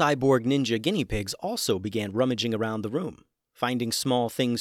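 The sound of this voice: The reading voice here is unforced. Behind it, things stay quiet.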